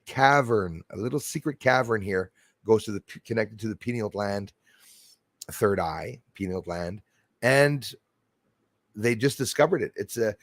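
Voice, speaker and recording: Rambling low-voiced man on a livestream. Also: no echo, studio quality. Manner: meandering, repeats himself, chuckles between thoughts. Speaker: livestream host reading chat. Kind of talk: rambling casual livestream talk.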